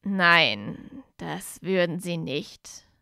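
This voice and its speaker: A woman reading aloud voices a proud young male wizard who sounds flat and defeated, speaking low and slowly. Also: creaky, smooth, dry recording, clean studio sound, exaggerated voice. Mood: weary.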